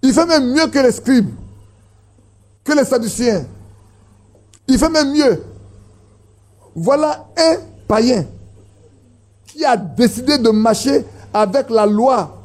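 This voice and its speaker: Husky preacher. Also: male voice, lively intonation, slow, long pauses, a little mellow. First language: an Ivorian language. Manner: emphatic, rising in pitch to stress points, repeats phrases. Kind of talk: sermon.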